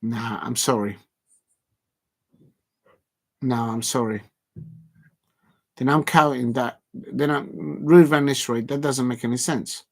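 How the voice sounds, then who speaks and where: Male football streamer, casual late-night sign-off, filler-heavy ramble, ordinary middle pitch. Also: slow pace, long pauses. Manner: rambling, filler-heavy, reading out chat shout-outs. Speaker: football watch-along streamer. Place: at home at night with a TV on.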